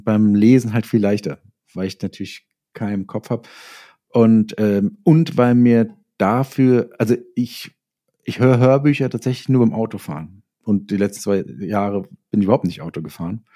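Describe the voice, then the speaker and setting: A man's voice: fairly low pitch, mellow. A man chatting casually as an interview guest, hesitant and searching for his words as he goes. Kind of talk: casual chat.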